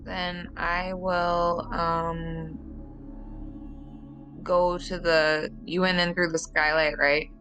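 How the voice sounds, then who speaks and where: Female player, bright tone, unhurried, hesitant, lowish voice, faint music. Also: level tone. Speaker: player in a tabletop roleplaying game. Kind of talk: casual game chat.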